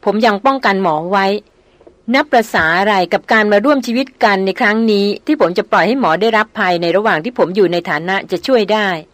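Woman voicing a proud male hunter, dry teasing manner, storybook reading, mid-pitched, dry close sound. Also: animated, a little fast, fairly bright tone, no echo, natural voice. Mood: earnest. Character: proud, wry male jungle hunter guide. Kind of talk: audiobook novel reading.

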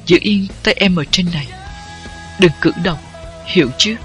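A narrator reading the lines of a confident, commanding man in an audiobook, giving firm, low-key commands. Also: normal speed, fairly bright tone, faint music behind, natural voice.

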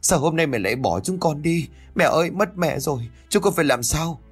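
A man voicing a grieving son in a storybook tale, his husky voice raised in lament. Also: fairly high pitch, lively intonation, fairly quick, soft background music, voice pushed up.

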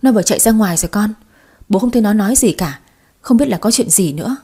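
A woman's voice: mid-range voice, lively intonation, warm tone, breathy edge. A woman voicing a cheerful, oblivious older husband. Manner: cheerful, quick.

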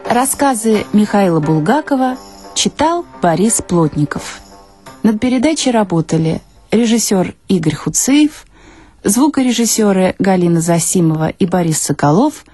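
A woman's voice: mid-range voice, big pitch swings, moderate pace, mellow, breathy edge, soft background music. A woman reading formal scripted radio credits as an announcer.

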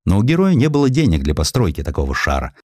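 Male narrator, low-pitched, expressive historical storytelling, animated melody, deliberate phrasing, dry studio sound. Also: breathy edge, no room sound. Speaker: audiobook narrator. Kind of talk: dramatized scripted narration of historical sketch.

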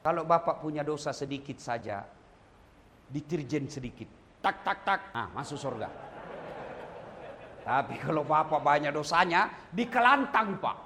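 A man preaching at a condolence gathering, animated and humorous, often speaking straight to his listeners. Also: fairly high pitch, normal speed, pauses often, a little hiss or hum. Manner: animated and humorous, addressing listeners directly as "Pak". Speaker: Islamic preacher.

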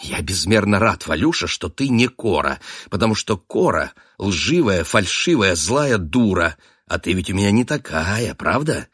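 Man as weary sarcastic husband, low voice, dry close sound, clipped and cutting, audiobook. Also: sing-song, moderate pace, hardly any pauses, a bit bright, breathy edge, no echo, full character voice. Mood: sardonic, weary. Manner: sardonic, clipped, through gritted teeth.

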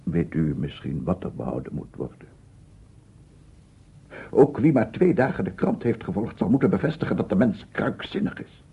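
A tormented, obsessive researcher in a radio drama. His low voice crackles with gravel as he rambles, repeats himself and breaks off. The sound is narrow and phone-like, like an old radio recording. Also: big pitch swings, heavily acted. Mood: troubled, brooding. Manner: halting, repetitive, rambling, from murmurs to loud declaiming. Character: unhinged, tormented male scientist, a visionary sound researcher. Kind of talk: radio play monologue.

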